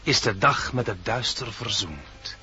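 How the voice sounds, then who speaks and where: Casting: ominous stargazing seer, slow, bright mid-pitched voice, solemn incantation, muffled radio recording. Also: male voice, expressive, slight background noise, full character voice. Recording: dull old radio recording, faint music.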